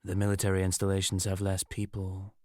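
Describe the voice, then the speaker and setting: Man playing a low, cold, matter-of-fact killer mage. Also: brisk, no room sound, studio quality, close to an everyday voice. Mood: cold, detached. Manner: flat, menace-free, matter-of-fact delivery. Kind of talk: audiobook character acting.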